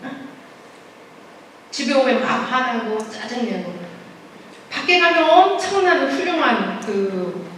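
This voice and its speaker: A woman's voice: fairly high pitch, big pitch swings, unhurried, pauses often, a bit bright, slight background noise. Woman lecturing in an echoey church. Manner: conversational, acts out quoted voices, asks the audience questions. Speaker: guest speaker, pastoral counselor. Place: large church sanctuary. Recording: echoey hall, voice from a distance.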